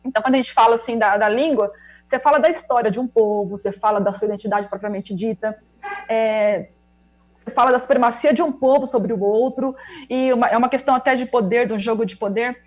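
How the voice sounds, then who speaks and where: A woman's voice: a little high, fast talker, a little mellow, rough recording. A woman with an interior São Paulo accent, a researcher and teacher trainer giving a reflective, explanatory talk over a video call. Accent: interior São Paulo (rolled caipira R). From interior of São Paulo state, Brazil. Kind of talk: web conference presentation.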